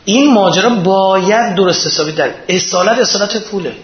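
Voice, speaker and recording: A man preaching a religious sermon, building to impassioned, emphatic peaks. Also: high-pitched. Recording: echoey dull lo-fi.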